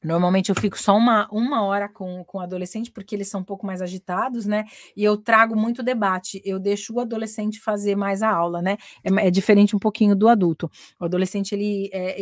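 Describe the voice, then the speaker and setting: Brazilian woman host, chatty teacher on a live stream, middle pitch, dry close sound. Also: no room sound. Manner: chatty and laughing, switching between Portuguese and English. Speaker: English teacher hosting a weekly live stream. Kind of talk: casual live-stream chat.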